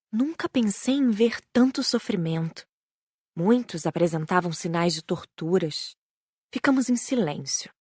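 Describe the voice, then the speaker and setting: A woman's voice: medium pitch, a little mellow, no echo, studio quality. A woman with a Brazilian accent reading a scripted first-person audiobook narration.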